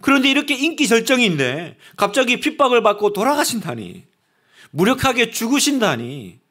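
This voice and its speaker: Animated high-voiced male pastor preaching. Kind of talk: sermon. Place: church sanctuary.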